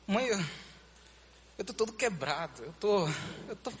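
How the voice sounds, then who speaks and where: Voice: medium pitch, big pitch swings, a little slow, long reverb tail, a little hiss or hum. An actor playing an anxious, skeptical adult son in a comic church sketch, constantly interjecting and reacting. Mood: hurting.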